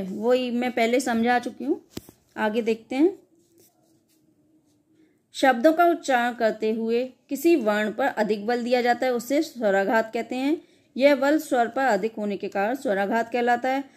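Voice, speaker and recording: A female teacher with a somewhat high, darkish voice goes over exam-prep grammar notes. She reads each definition aloud and then restates it in loose, informal asides for her students, often correcting her own slips and saying "sorry."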